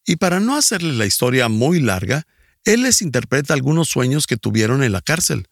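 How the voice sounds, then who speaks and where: A man's voice: medium pitch, sing-song, a little fast, creaky, no echo, clean studio sound. A man preaching a sermon emphatically, his voice rising sharply on exclamations. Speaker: pastor.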